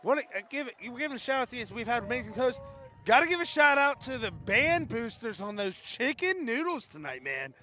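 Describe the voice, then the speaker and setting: A man calls a high school football game at an outdoor stadium in wind and rain, joking with his partner between plays. His voice sits very high and sounds bright and sharp. He breaks into shouts when a big hit lands. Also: very animated, brisk. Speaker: play-by-play announcer.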